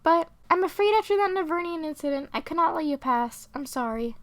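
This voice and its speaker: A woman voicing a prim, stern but fair female teacher with a formal, measured manner in an animated roleplay story. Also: extremely high pitch, no echo. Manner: formal, measured, addresses pupils by title. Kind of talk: hobby animated roleplay voice acting.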